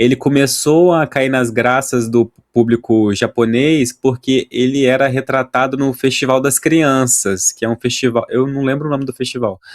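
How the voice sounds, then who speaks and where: A man at a medium pitch and moderate pace, fairly even in intonation, with hardly any pauses, recorded dry and close with no echo, an unremarkable speaking voice. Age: 30s. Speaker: gamer and engineer, podcast guest. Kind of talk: casual interview.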